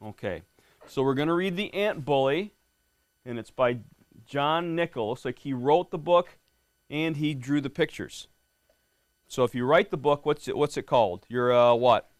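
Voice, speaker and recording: Here the lieutenant, a middle-aged man, has a mid-range voice at a moderate pace, captured in a dry recording. He's friendly as he reads a picture book to schoolchildren, often asking them questions and checking with "right?"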